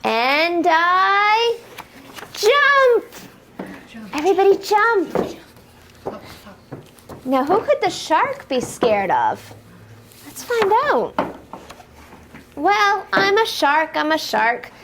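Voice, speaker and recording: A woman with a high, very expressive voice reads a picture book to small children. She takes her time and draws them in with questions and playful exclamations. There is some background noise with light clicks. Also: very slow, pauses often. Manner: encouraging, asks the children questions and prompts them to join in; exclaims action words playfully. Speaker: storytime reader for young children. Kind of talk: animated read-aloud of picture books to children.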